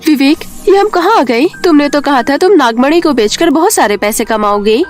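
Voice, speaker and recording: A woman's voice: high-pitched, expressive, normal speed, faint music behind. A woman voicing a betrayed young wife in a storybook tale, emotional, wounded and defiant. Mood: hurt, indignant. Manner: emotional, indignant.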